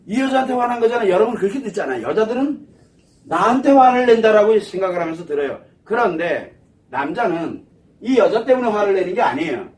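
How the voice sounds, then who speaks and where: A man's voice: high voice, sing-song, quick pace, a little hiss or hum. A man giving a psychology lecture, asking the audience questions and answering them himself. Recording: voice somewhat far from the mic.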